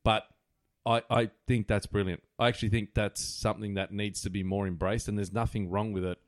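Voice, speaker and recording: An Australian man co-hosts a podcast, speaking earnestly and animatedly with frequent laughter. His voice sits a bit low and the sound is close and dry. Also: little pitch movement, fairly quick, dry recording. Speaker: podcast co-host. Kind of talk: casual interview chat.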